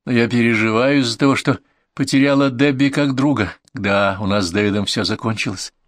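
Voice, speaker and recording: A man voicing a warm, open young woman from a farm, lifting his voice for her. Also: brisk, no room sound, studio quality, natural voice. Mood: wistful. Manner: higher, lighter voice for a young woman.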